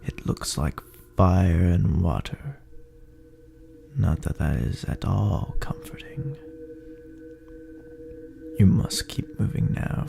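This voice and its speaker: A man narrating a dark horror story in a brooding, theatrical, gravelly voice that often drops toward a breathy near-whisper. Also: low-pitched. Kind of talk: dramatic horror story narration in second person.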